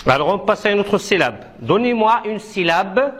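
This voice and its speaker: High, lively male teacher drilling syllables. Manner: repeats syllables slowly and corrects pupils with short "non" and "c'est bien". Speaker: primary school teacher. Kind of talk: classroom pronunciation drill. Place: classroom with pupils.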